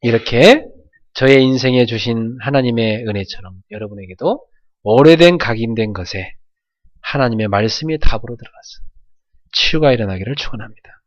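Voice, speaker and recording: A man's voice: medium pitch, dull audio. A man preaching a sermon as pastor, in an earnest, conversational way with emphatic swells.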